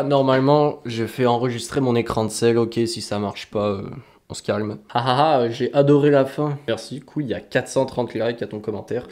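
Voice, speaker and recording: Young guy from France, mixed French-Quebec accent, joking vlog chatter, mid-pitched. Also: darkish tone. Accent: mix of French and Quebec French. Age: young adult. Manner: playful, joking, swears freely. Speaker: content creator. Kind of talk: casual vlog chat answering comments.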